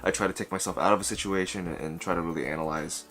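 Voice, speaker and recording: Young man, mid-twenties, deep voice, relaxed Q and A vlog from his bedroom, soft music behind. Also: very fast. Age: 20s. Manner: thoughtful, self-correcting, expressive hand gestures. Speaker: vlogger. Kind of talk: casual Q and A vlog. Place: small bedroom at night, indoors. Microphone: camera mic, seated close to camera.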